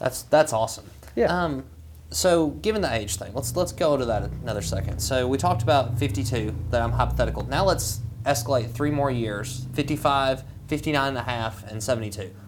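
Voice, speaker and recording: A man with a Southern US accent, medium pitch, moderate pace and lively intonation. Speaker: co-host of a financial advice podcast. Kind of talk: casual chat.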